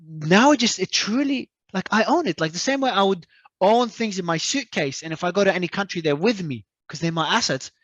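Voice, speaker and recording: Aussie guy talking crypto-style, emphatic, fairly high pitch, dead dry room. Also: brisk, no echo, muffled recording. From Australia. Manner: animated, emphatic, repeats words when restarting. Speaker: crypto entrepreneur guest. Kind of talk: casual interview talk.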